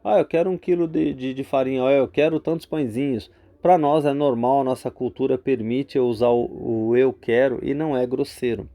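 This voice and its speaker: A man's voice: medium pitch, fairly even intonation, fairly quick, hardly any pauses, dark tone. A Brazilian man with a Brazilian Portuguese accent, teaching English vocabulary in a casual spoken lesson, full of fillers and repeated "tá?" check-ins.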